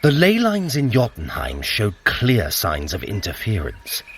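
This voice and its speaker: Sardonic male trickster god, very animated pitch, dry sarcasm, formal fantasy diction, birdsong background. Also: a little slow, slight background noise, full character voice. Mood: scheming. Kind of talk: scripted audio fitness adventure drama.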